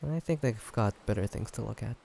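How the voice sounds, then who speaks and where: In an intimate, one-sided roleplay audio drama, a man voices an affectionate human boyfriend teasing his partner on a fancy date. His lowish, slightly gravelly voice sounds relaxed and chatty, casual and halting, with gentle teasing and chuckles.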